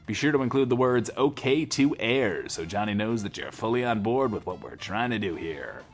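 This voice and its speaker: Boastful, animated wasteland radio DJ. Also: male voice, on the low side, normal speed, faint music behind. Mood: boastful, glib. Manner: boastful, glib showman patter. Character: vain, defensive post-apocalyptic male radio DJ. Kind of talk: in-world radio show hosting, audio drama.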